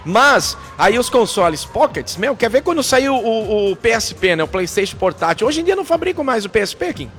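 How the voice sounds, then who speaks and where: A man's voice: high voice, big pitch swings, moderate pace, hardly any pauses, fairly bright tone, faint music behind. A man hosting a casual radio interview, asking playful, joking questions.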